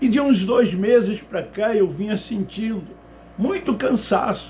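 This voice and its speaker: A man's high-pitched voice, ordinary pitch variation, a fairly slow pace, and noticeable background noise. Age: 60s. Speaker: video blogger sharing personal news. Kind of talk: personal testimony.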